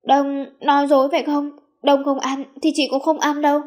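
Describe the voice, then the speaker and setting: A woman voicing a gentle, playful pregnant young woman who coaxes and dotes affectionately. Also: on the high side, fairly even intonation, moderate pace, close to an everyday voice. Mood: coaxing. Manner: coaxing, affectionate.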